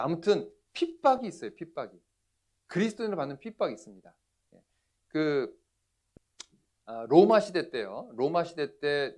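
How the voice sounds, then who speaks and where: A man's voice: a little high, darkish tone. A middle-aged man preaching a sermon as a pastor, telling a personal story with acted-out dialogue and frequent affirming asides.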